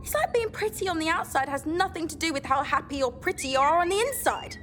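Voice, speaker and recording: A woman's voice: very high voice, animated, fast talker, fairly bright tone. A woman voicing a vain, dramatic young female pop star captain in a cartoon, bossy and whiny, with music behind. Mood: worried.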